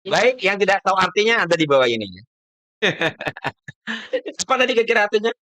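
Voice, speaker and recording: A man's voice: sits high, lively intonation, normal speed, bright, forceful tone. A man hosting an informal live stream, chatty and often echoing what his guests say. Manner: chatty, repeats guests' words. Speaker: host.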